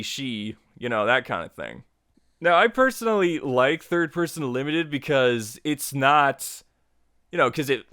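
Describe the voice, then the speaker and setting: A man's voice: mid-range voice, a bit bright, clear, resonant tone, no room sound, clean studio sound. A man hosting a casual video lesson, chatty and enthusiastic, often restarting phrases and saying "you know". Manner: chatty, repeats words, lots of "you know". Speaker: online tutorial host.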